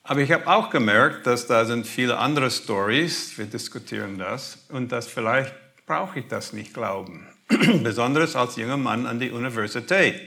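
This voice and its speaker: A man with an American accent giving a personal faith testimony, halting and searching for words, sometimes slipping into English. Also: medium pitch, vocal fry, pushed and bright. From grew up in the USA. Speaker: guest speaker.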